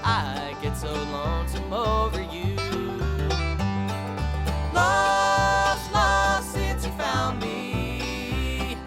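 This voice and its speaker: Female country vocalist, very drawn-out phrasing, wide melodic movement, singing heartbreak ballad over prominent string-band backing. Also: a little high, animated, loud music behind the voice. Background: country bluegrass instrumental backing.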